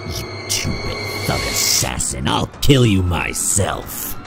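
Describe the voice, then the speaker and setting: A furious cartoon demon boss with a gravelly voice. He drags out menacing threats, swinging wildly in pitch over music. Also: sing-song, takes it slowly, exaggerated voice. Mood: enraged. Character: furious, menacing male demon overlord villain. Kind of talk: comic dub voice acting. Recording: music behind the voice.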